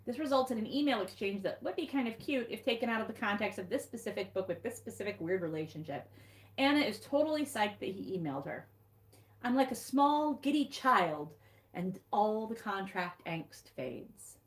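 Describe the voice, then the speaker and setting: A woman's voice: medium pitch, expressive, moderate pace, echoey room. A woman with a Michigan accent reading her own snarky book recap aloud on a livestream, wry and sarcastic, with laughs at her own jokes.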